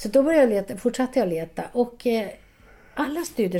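Against a silent background in a very clean recording, a woman with a Spanish accent speaks in a dark, mellow tone with lively intonation. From Chile. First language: Spanish (speaking Swedish). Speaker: professor. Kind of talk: interview. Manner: halting.

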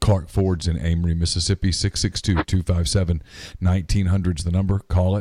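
On a very clean recording with a silent background and a dry, close sound with no echo, a man with a very deep, low pitch speaks at a fairly slow pace in a dark, mellow, somewhat breathy tone with fairly even intonation. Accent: American. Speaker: podcast host. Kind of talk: casual interview. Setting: studio.

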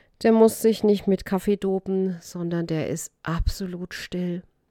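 Very slowly and with fairly even intonation, a woman speaks at medium pitch, the sound dry and close with no echo on a very clean recording with a silent background. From Württemberg, southwestern Germany. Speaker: podcast host, life coach. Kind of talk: reflective solo monologue.

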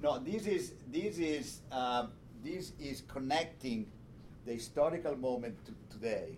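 A man speaks with an Italian accent at a fairly high pitch. His pace is fairly slow and his intonation lively. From Italy. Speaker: economics professor. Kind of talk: academic seminar talk with Q&A. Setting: seminar room with audience.

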